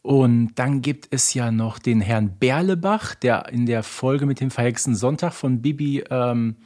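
A man's voice: medium pitch, unhurried, a little mellow. Matter-of-fact man co-hosting a fan podcast. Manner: matter-of-fact, precise with details. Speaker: podcast co-host. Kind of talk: casual, informative fan discussion.

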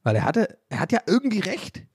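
An animated man from a German village, rambling through a casual story with self-mocking asides. His pitch is a bit high for a man and swoops around a lot. The sound is close and dry. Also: a little fast, husky, no echo.

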